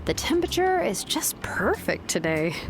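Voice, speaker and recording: A woman's voice: mid-range voice, sing-song, moderate pace. An actress playing a laid-back, breezy and friendly young cat-eared woman blacksmith in a video game. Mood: relaxed. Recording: game music playing behind.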